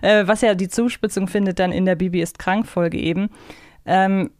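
A woman with a smooth, clear voice of medium pitch co-hosts a podcast. She chats reflectively and casually in a very dry recording. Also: steady tone, moderate pace, a little mellow, no room sound. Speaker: podcast co-host. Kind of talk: casual chat.

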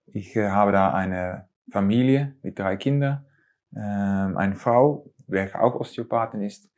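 A man in his forties from the Netherlands speaking German with a Dutch accent, pausing often with fillers and small grammar slips as an interview guest. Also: lowish voice, a little mellow. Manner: hesitant with many fillers and non-native grammar slips. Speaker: osteopath and lecturer. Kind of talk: conversational interview.

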